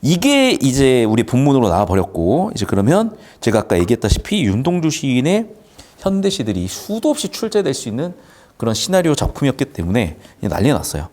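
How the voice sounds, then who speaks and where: A man's voice: medium pitch, fairly quick. A man teaching a literature lesson, casually explaining a screenplay and playfully acting out the characters' lines. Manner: lively, jokey, acts out characters' lines. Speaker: Korean literature tutor. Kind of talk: classroom lecture explaining a screenplay.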